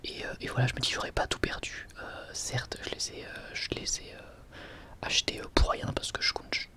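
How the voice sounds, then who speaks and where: A man whispers an ASMR product review in a breathy, unvoiced voice, halting and wryly sarcastic, close to the microphone. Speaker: ASMR video host.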